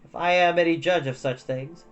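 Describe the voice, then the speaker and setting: A man voicing a cunning fire demon in a storybook, with a cracked, whining voice and a brisk, wheedling manner. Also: on the high side, dull audio, soft background music, close to an everyday voice. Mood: persuasive, cunning. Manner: brisk, whiny, persuasive.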